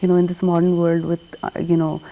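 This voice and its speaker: A woman's voice: on the low side, level tone, a little fast, lo-fi sound. A woman from Pakistan, a native Urdu speaker, answering interview questions on television and mixing English with Urdu. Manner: switches between English and Urdu mid-sentence. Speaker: guest artist.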